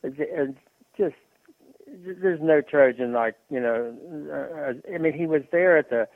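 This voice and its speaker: A man talking sports on a radio show, halting and full of fillers and restarts. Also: on the high side, no echo. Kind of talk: rambling sports talk on phone. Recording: tinny phone line.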